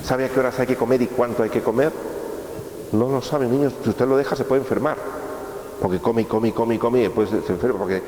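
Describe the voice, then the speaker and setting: A man gives a course lecture in a relaxed, conversational manner, often stopping to ask his listeners a question or check they follow. His voice sits in the middle range. It rings through a large echoey hall, with a faint hum of the room behind him. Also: medium pitch, fast. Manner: conversational, asks rhetorical questions with tag checks.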